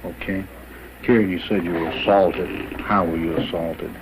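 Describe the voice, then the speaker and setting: An actor playing a measured, businesslike police officer taking details in a 1970s training film. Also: male voice, deep voice, fairly even intonation, natural voice. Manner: measured, questioning. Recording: faintly noisy old film soundtrack.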